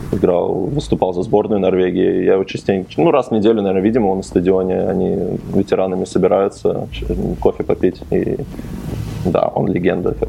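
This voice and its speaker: Noticeable background noise runs beneath a man who speaks at a moderate pace. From Moscow, Russia. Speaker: football goalkeeper. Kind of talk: interview. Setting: video call. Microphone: video turned off for better connection.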